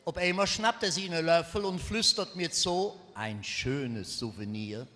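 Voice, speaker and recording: A man with a Cologne accent doing a carnival stage routine, telling tall-tale travel stories with quick punchlines. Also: high-pitched, fairly even intonation, pushed and bright. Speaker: carnival comedian. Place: large carnival hall stage. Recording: echoey hall with long reverb.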